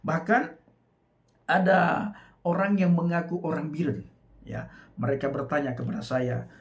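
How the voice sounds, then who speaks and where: A man's voice: fairly high pitch, steady tone, unhurried. A middle-aged man, a Christian evangelist, giving his personal testimony in an emphatic preaching style, often turning to address his listeners directly.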